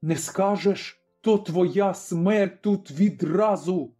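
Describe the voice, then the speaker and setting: A slow, warm, high voice belongs to a man reading a storybook as a grim, fearless Cossack father. He speaks firmly and commandingly; the recording is slightly dull, with faint music.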